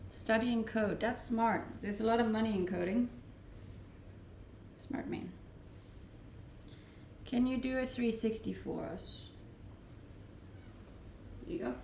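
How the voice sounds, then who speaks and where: A woman's voice: fairly high pitch, fairly even intonation, takes it slowly, creaky, pauses often, a little mellow, a little hiss or hum. A woman with a Danish accent, chatting easily on a livestream from her rented home, reading out and answering viewer comments and laughing often. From Denmark. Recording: roomy echo.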